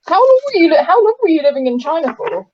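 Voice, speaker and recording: A woman's voice: extremely high pitch, big pitch swings, fast. Hesitant young woman on a dull line. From England. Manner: hesitant, many ums and likes. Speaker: guest. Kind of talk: casual interview chat.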